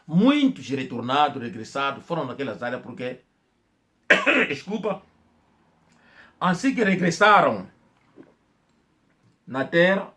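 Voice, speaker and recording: A man's voice: fairly high pitch, big pitch swings, takes it slowly, pauses often, pushed and bright. A man with an Angolan Portuguese accent giving an emphatic spoken commentary, with coughs and restarts. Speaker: channel host.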